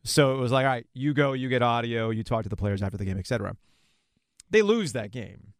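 A man with a mid-range voice hosts a sports podcast in a dry, close recording. He talks conversationally, like a fan swapping stories, with casual slang and animated asides. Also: medium pitch, fast, dry recording.

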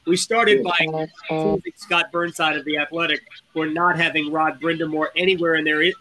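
A man's voice: on the high side, steady tone, fairly quick, a crowd in the background, low-quality recording. A man hosting a podcast, chatting eagerly with lots of fillers as he sets up questions. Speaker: podcast host. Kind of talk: casual podcast conversation.

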